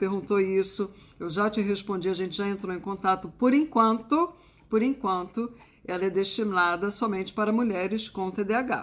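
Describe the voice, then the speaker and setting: At a moderate pace, a woman uses a plain, everyday voice, her medium pitch showing ordinary pitch variation. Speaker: ADHD mentor and live streamer. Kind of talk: live stream talk to viewers. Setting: live stream.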